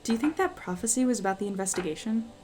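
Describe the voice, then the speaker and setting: A woman's voice: a little high, lively intonation, very fast, darkish tone, close to an everyday voice. A woman playing an earnest young newcomer to a strange town in an audio drama, speaking in a hesitant, musing, conversational way. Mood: curious, tentative. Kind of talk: audio drama dialogue and reflective first-person narration.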